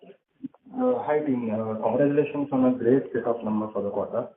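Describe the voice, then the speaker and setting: A male financial analyst asking questions on an earnings call in a halting, deferential way. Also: mid-range voice, a little hiss or hum. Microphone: phone call. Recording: narrow tinny phone line.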